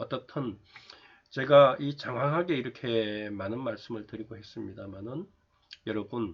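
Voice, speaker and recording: Putting on a character voice, a man talks hoarsely at a moderate pace and medium pitch, with big swings in loudness. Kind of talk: formal lecture.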